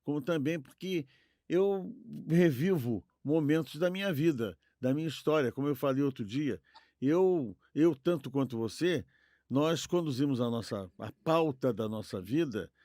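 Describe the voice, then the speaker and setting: An older man with a Brazilian Portuguese accent chatting casually as a podcast co-host, halting and repeating words, often seeking agreement. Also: a little high, expressive, warm tone, no echo, studio quality. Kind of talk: casual chat.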